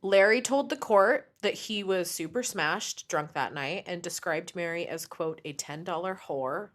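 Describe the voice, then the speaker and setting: A young woman co-hosting a casual podcast, telling a story with lots of swearing and lively asides. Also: on the low side, a little slow. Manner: animated storytelling, frequent swearing. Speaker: podcast co-host. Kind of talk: casual true crime podcast chat.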